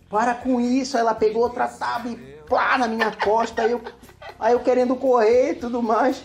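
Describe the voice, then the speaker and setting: Over noticeable background noise, a man with an extremely high pitch speaks slowly, at a fairly slow pace, in a monotone, flat way. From northern Brazil, Belém. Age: 30s. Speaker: storyteller guest writing a book. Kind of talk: casual storytelling chat.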